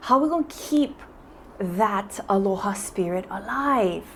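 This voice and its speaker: Noticeable background noise accompanies a woman whose lively intonation comes at a fairly slow pace. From Hawaii. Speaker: Hawaiian language teacher. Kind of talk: casual talk to camera.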